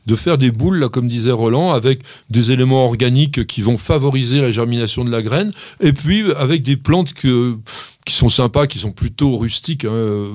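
A man's voice: medium pitch, no echo, studio quality. A man hosting a gardening radio show, explaining plant care to listeners in an instructive way. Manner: didactic, addressing listeners directly. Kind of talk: radio gardening advice chat.

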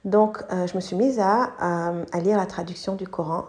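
A middle-aged woman from Côte d'Ivoire, a native English speaker, hosting a podcast and telling her life story thoughtfully, pausing to search for words and dropping in English ones. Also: fairly low pitch, a little mellow. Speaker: podcast host. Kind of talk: personal storytelling monologue.

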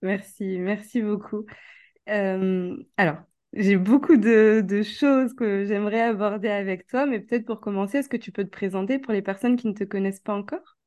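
A woman's voice: mid-range voice, fairly even intonation, normal speed, warm tone. A woman hosting a podcast, enthusiastic and upbeat as she introduces and interviews a guest. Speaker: podcast host, coach.

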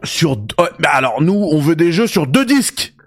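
A man's voice: on the high side, sing-song, moderate pace, vocal fry, soft background music. A young man hosting a gaming video, ranting in a mock-outraged, ironic, familiar way. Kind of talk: sarcastic gaming rant.

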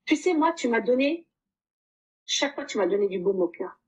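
A woman in her fifties with Portuguese roots tells her coach what the program meant to her. Her voice sits a touch above the usual for a woman, and she speaks earnestly, pausing on fillers as she searches for words. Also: on the high side, animated. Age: 50s. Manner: earnest, heartfelt, with frequent hesitations. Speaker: coaching client giving a testimonial. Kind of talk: emotional personal testimony.

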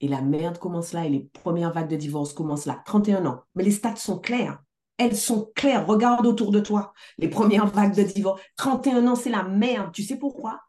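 A middle-aged woman success coach talking in a casual interview, emphatic and animated, swearing now and then. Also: medium pitch, normal speed. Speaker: success coach, podcast guest.

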